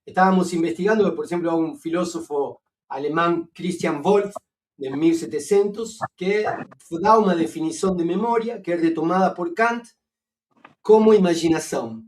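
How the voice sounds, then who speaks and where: A man with an Argentine Spanish accent, speaking as a philosopher guest in a relaxed academic conversation. His voice sits fairly high, and he pauses on "eh" and restarts as he works through his ideas. He sounds a little distant from the microphone. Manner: hesitant, many fillers and restarts, professorial.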